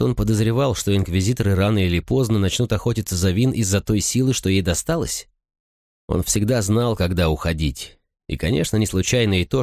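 A male narrator with a very deep, low voice reads an audiobook at a steady, measured pace. The recording is dry and close, with no room sound. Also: no echo. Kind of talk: scripted narration.

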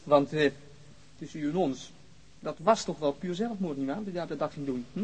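An actor playing a teasing, morbidly curious corpse collector in a radio drama, chatty and mock-deferential. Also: male voice, a little high, a little fast, slightly rough, rough recording. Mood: needling.

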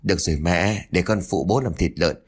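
A man's voice: sits low, a little fast, husky, voice pushed down. A man voicing an eager young father. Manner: hasty, persuasive.

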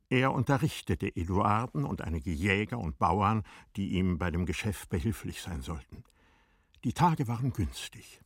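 A man narrating a literary radio drama in a measured, formal manner, with a husky voice. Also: lowish voice, dry recording, clean studio sound.

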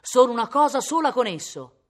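A woman reading aloud, voicing a proud, fiery young man with loud, scornful outbursts. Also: a little high, very animated, brisk, pitched above the performer's own voice. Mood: defiant.

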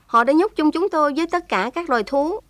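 A woman's voice: sits high, expressive, quick pace, a bit bright, no room sound, pitched above the performer's own voice. A woman voicing a young heroine who is daring and tender, pleading with feeling. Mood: impassioned. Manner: impassioned, tearful pleading.

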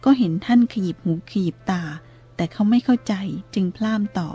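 A woman narrating a story in a steady, even tone with a husky voice. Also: a little high, normal speed, soft background music.

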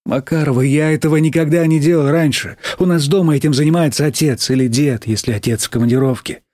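A man voicing a serious, nervous teenage boy who speaks calmly and glumly. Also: on the high side, quick pace, close to an everyday voice. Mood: unhappy. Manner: calm, serious, sullen.

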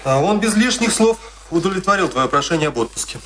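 A man's voice: high voice, expressive, fast talker, a bit bright, slight background noise, low-quality recording. An actor playing a restrained, dutiful man in a radio play, speaking in a dry, matter-of-fact way. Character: dutiful, restrained male relative of the captain.

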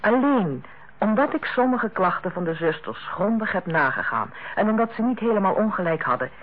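An actress in a Dutch radio play as a female hospital director, authoritative yet kindly, speaking in a measured, formal and persuasive way. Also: mid-range voice, expressive, natural voice. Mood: earnest, careful. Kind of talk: Dutch radio drama acting. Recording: muffled, band-limited old radio recording.

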